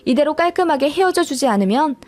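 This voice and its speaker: Brief: woman storyteller, high pitch, plain first-person narration. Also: expressive, quick pace, a little mellow, no echo. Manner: plain, matter-of-fact retelling.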